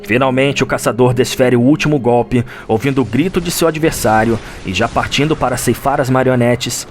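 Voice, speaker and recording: A man's voice: medium pitch, moderate pace. A man with a Brazilian accent, giving dramatic scripted narration of a fantasy game story. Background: music.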